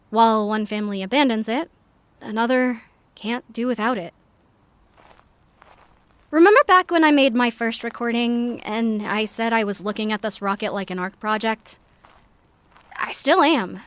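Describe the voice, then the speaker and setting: A thoughtful young woman recording a guide to her emptied-out community for a sci-fi audio drama. Her voice sits on the high side, in a dry, close space. She talks conversationally and reflectively, with hesitant little asides. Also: a bit bright, dry recording. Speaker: narrator character. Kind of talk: audio drama monologue as a recorded walking tour.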